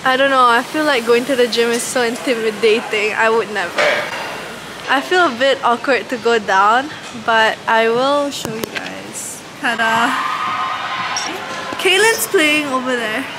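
High-voiced young woman vlogging outdoors. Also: measured pace. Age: young adult. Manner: giggly, chatty, often whispers at night. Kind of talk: casual vlog chat. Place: outdoors in snow and campus halls. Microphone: handheld camera at arm's length. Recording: noisy outdoor camera audio.

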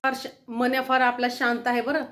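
A middle-aged woman with a Marathi accent, a vlogger who calls to her pets in a high sing-song voice and chats about them in a casual way. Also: level tone, moderate pace, fairly bright tone, reverberant. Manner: coaxing pets in a high sing-song voice, then telling a story in a low voice. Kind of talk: casual chat.

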